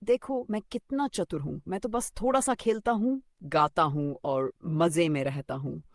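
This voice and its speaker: A narrator voicing a sly, greedy, flattering black male crow in a children's cartoon story, with a wheedling, boastful manner. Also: mid-range voice, a little slow, dry recording, clean studio sound, close to an everyday voice.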